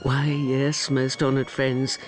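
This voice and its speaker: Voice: mid-range voice, little pitch movement, takes it slowly, lightly acted. An actor as a wry, insinuating omniscient narrator in a radio drama. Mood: sly.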